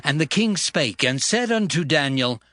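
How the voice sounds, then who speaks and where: A man's voice: on the high side, expressive, moderate pace, bright, forceful tone. A man narrating a dramatized audio Bible in a solemn storytelling manner. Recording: music behind the voice.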